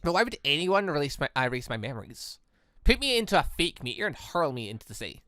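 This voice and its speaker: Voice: mid-range voice, very animated, fast, pushed and bright, dry recording, clean studio sound. A game streamer voicing an earnest, candid young man in a visual novel, with a casual, wry manner. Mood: puzzled.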